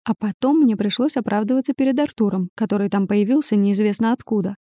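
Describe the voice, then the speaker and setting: Audiobook narrator, woman, steady and expressive; mellow tone, dry close recording. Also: medium pitch, no room sound. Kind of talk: first-person audiobook narration.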